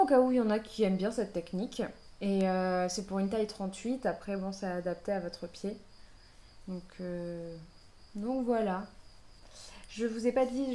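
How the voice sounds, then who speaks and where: A woman's voice: mid-range voice, warm tone. A woman hosting a knitting podcast, talking casually with lots of fillers and restarts. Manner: hesitant, many fillers and restarts. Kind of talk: casual chat.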